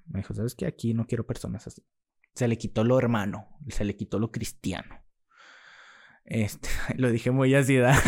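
Young man with a Mexican accent. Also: medium pitch. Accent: Mexican Spanish. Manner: lively, acts out quoted dialogue, laughs while telling. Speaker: podcast guest, musician. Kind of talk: casual storytelling in an interview.

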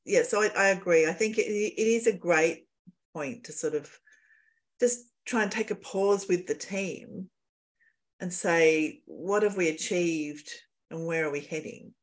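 A woman's voice: on the low side, unhurried. A woman co-hosting a podcast in casual conversation, agreeable and thinking aloud as she talks. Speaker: podcast co-host.

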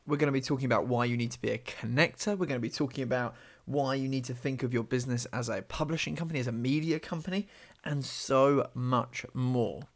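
A man's voice: mid-range voice, brisk. A man hosting a podcast, introducing his guest and asking questions in an upbeat, enthusiastic way. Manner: upbeat, enthusiastic, laughs often. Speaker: podcast host.

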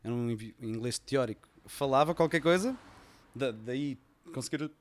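A man's voice: mid-range voice, moderate pace. Man, European Portuguese accent, podcast guest, casual storytelling, lots of fillers. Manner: relaxed storytelling, many fillers and restarts. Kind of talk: casual conversation.

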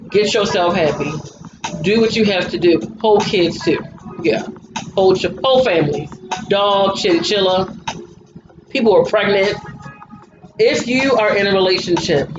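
A woman's voice: medium pitch, echoey room, highs cut off. Woman ranting emphatically on a podcast. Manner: emphatic ranting with repeated phrases. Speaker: podcast co-host. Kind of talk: casual chat.

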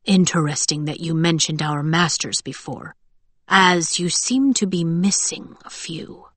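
A woman voicing a defiant male wolf-soldier leader in an audiobook, slow, sardonic and quietly threatening. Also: low voice, breathy edge, no room sound. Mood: quiet threat.

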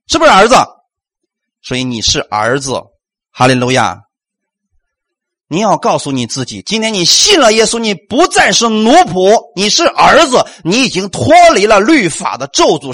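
A male preacher delivers a sermon in a lively, questioning style, throwing his voice high and low as he addresses the congregation. His tone is fairly high and a little husky. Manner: animated, rhetorical questions to congregation.

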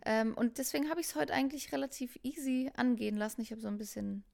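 A woman's voice: fairly high pitch, fast, gravelly, a little mellow. A woman from Hamburg, a musician being interviewed, talking thoughtfully with many fillers. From Hamburg, Germany. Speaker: musician guest. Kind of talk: casual interview conversation.

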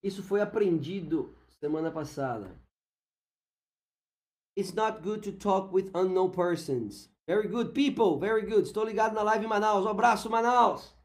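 A man with a Brazilian Portuguese accent teaching English on a live stream, chatting with viewers by name and modeling slow English phrases. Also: high-pitched.

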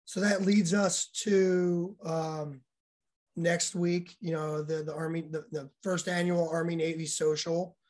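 A man's voice: a little high, level tone, unhurried, darkish tone. A male podcast host, his voice still recovering from being lost, asking loose, rambling questions with many fillers. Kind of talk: casual podcast interview.

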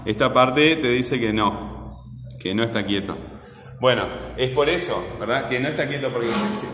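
A man teaching a grammar lesson one-on-one, repeating words slowly syllable by syllable and asking guiding questions. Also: mid-range voice, a bit bright, reverberant, in a large hall, slight background noise. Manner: asks frequent guiding questions with "¿verdad?".

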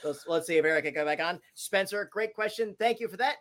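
Man, fairly high voice, upbeat moderator, reads questions, casual. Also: quick pace, fairly bright tone. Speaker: panel moderator. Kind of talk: casual panel hosting.

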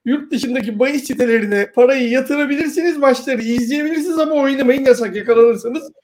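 A woman's voice: sits high, fast talker, a little mellow, a little hiss or hum. A woman co-hosting a casual talk, giving informal, sardonic commentary and explaining her points at length. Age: adult past university years. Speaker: co-host.

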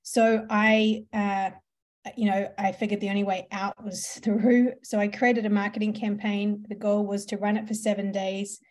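A marketing entrepreneur from New Zealand, on a podcast as a guest, tells her business story in a darkish, medium-pitched, level voice at a moderate pace. Her delivery is conversational, with frequent laughs and ums.

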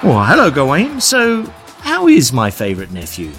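Male actor as incredulous, sarcastic pantomime king, hugely animated, music behind. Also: mid-range voice, normal speed. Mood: doting. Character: exasperated, bickering King Arthur judging knights. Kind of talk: pantomime audio comedy.

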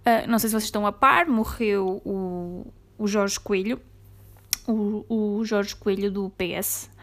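A woman from Mangualde in Portugal with a light Beira-tinged European Portuguese accent, hosting a casual solo podcast. She rants in a chatty way, jumping between loud bursts and near-whispers. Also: medium pitch, fairly even intonation, a little slow. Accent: European Portuguese, slight Beira. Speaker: podcast host.

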